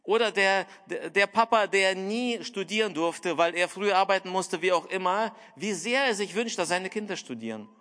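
A middle-aged man preaching a sermon, telling a story and speaking straight to the listener, with wide swings in loudness and pitch. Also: moderate pace, few pauses. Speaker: pastor. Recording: long hall reverb.

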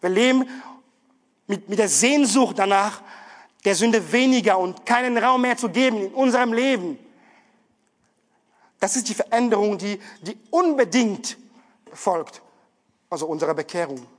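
A man's voice: high-pitched, lively intonation, moderate pace, long pauses. A man giving an earnest, pleading sermon testimony in a church hall, often restarting his words.

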